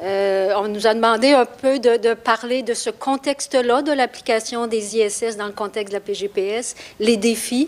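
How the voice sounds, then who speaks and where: At a moderate pace, a woman speaks in a fairly high pitch with fairly even intonation. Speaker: public health policy adviser. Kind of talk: conference presentation. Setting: conference stage with audience. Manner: soft-spoken.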